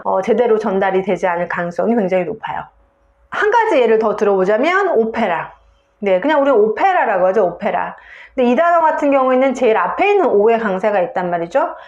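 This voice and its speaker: A woman's voice: on the high side, echoey room, dull audio. A woman English teacher giving a video lesson on pronunciation, explaining step by step and saying example words aloud.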